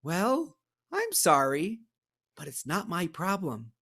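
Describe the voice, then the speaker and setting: A man voicing a stubborn, calm old fisherman in a storybook reading, answering in a flat, matter-of-fact way. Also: sits high, moderate pace, voice pushed up. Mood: quiet.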